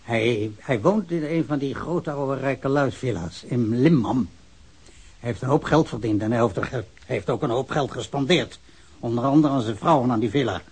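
A man's voice: medium pitch, moderate pace, a little mellow, husky. Sardonic, tipsy witness, conversational man. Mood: wry, probing. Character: tipsy, talkative, sardonic male witness, fond of a drink. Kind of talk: naturalistic radio drama acting.

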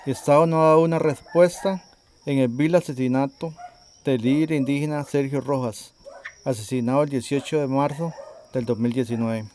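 A man working as a community radio reporter, reading a news report in a measured, deliberate way and interviewing a guest. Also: medium pitch, darkish tone, slight background noise.

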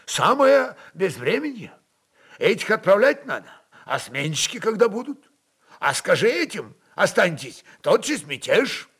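Man as a troubled musketeer commander, high. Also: very animated, unhurried, fairly bright tone, breathy edge, heavily acted. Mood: glum, worried. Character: glum, frank male commander of musketeers.

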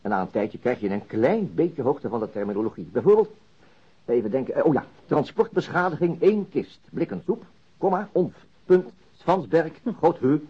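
An actor playing a stubborn, dry-humoured middle-aged police detective in a Dutch radio drama, wry and self-interrupting. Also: male voice, on the high side, big pitch swings, normal speed, husky. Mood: animated, wry. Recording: muffled archived radio drama recording.

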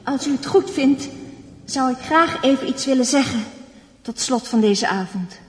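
An actress playing an earnest, grateful blind young musician, giving a formal, measured speech in a radio play. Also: female voice, high voice. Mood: formal, humble. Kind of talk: Dutch radio drama acting, addressing a concert audience. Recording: reverberant hall, faint crowd and noise.

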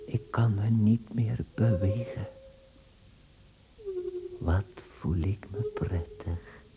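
An actor playing a gentle, resigned, dying man-turned-beetle in a radio play, with a weak, breathy, husky voice. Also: sits low, very slow, a little hiss or hum, exaggerated voice. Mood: weary, tender. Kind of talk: intimate radio play monologue. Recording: muffled, band-limited radio recording.

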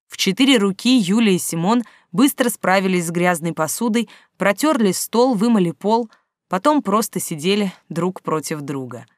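Even-toned story narrator, mid pitch, dry close-miked read. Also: normal speed, no room sound. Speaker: audiobook narrator. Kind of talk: scripted narration.

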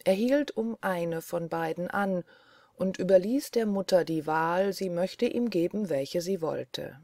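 Woman reading old fairy tales, slow and lowish, dry close sound. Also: a little mellow, dry recording. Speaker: audiobook reader. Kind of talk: fairy-tale audiobook narration.

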